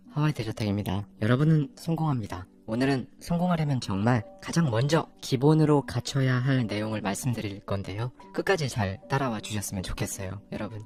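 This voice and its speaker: A man's voice: medium pitch, expressive, a little fast, few pauses, darkish tone, faint music behind. A man in his forties hosting a reflective motivational talk, speaking straight to his listeners and posing rhetorical questions. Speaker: channel host.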